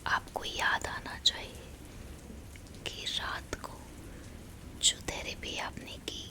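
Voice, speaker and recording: Slow, whispering Indian woman guiding meditation. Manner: soothing, slow, gentle instructions in short phrases. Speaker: ASMR guided meditation host. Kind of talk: whispered ASMR guided meditation.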